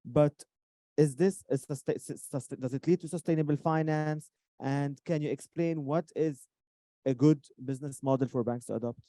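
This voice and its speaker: A man's voice: a little high, steady tone, moderate pace, dark tone, dry recording, clean studio sound. A man moderating a talk, asking questions with a few stumbles and restarts. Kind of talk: interview questions.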